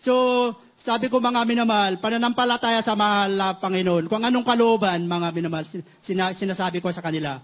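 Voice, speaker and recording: A man with a strikingly high voice gives a church testimony in a halting way, restarting words and pausing to address his listeners fondly. He is middle-aged and from the Philippines. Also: fairly bright tone. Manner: halting, repeats "mga minamahal" constantly, many restarts. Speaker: church member giving testimony.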